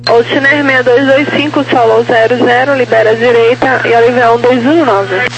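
A woman with a high voice comes through a noisy, humming radio. She gives short tower instructions in the clipped style of police radio. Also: fairly even intonation, normal speed, highs cut off. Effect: two-way radio transmission. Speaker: tower air traffic controller.

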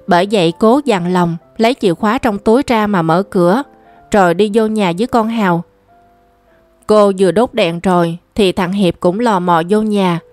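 A woman reading a novel aloud as an audiobook narrator, steady and even. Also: medium pitch, dry recording. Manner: steady storytelling delivery. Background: faint music.

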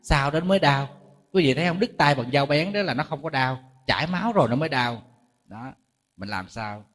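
A male Buddhist monk with a Southern Vietnamese accent giving a lively sermon, often asking the audience rhetorical questions. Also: mid-range voice, brisk. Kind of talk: dharma talk sermon. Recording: long reverb hall.

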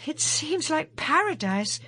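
Anxious young woman companion, read by a woman, raised pitch, breathless worried delivery, lively storybook reading. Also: slow, full character voice.

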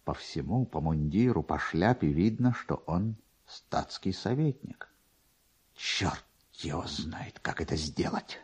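A man voicing a timid yet self-important major who has lost his nose, halting and deferential as he gropes for words in a dramatic reading. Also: low-pitched, animated, a little mellow, husky, pitched below the performer's own voice, heavily acted. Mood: anxious, hesitant.

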